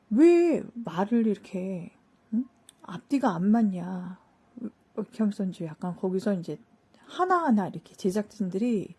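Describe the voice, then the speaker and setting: A woman with a husky, mellow voice retells a story in a loose, chatty way. She fills her talk with small fillers and slips into the quoted lines as she goes. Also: medium pitch. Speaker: channel host. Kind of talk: casual retelling of a TV case.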